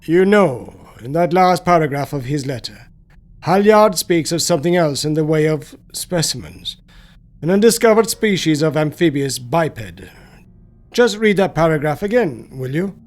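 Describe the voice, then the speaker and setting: A man reads as a scholarly professor in a storybook tale, pitched high for a male voice. He is grave and careful, with a hesitant, shy streak. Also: expressive, moderate pace, natural voice. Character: grave, shy elderly male professor, cautious but insistent.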